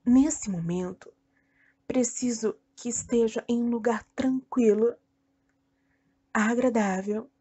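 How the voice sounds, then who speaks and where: A Brazilian woman leading a guided meditation in a soothing, deliberate way, speaking in short phrases with long pauses. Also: on the high side, mellow, breathy edge. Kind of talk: guided meditation, self-hypnosis narration.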